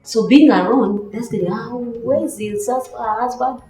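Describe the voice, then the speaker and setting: A woman with a Kenyan accent speaking haltingly about her own life in a documentary interview. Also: a little high, mellow. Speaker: student and election candidate. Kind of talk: personal account in documentary interview. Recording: echoey room, music underneath. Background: background music.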